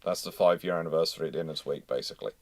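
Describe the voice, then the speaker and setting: A man's voice: a bass voice, racing, creaky, no echo. A man hosting a casual livestream, chatting in a rambling way as he thinks aloud. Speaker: host of a naval history livestream.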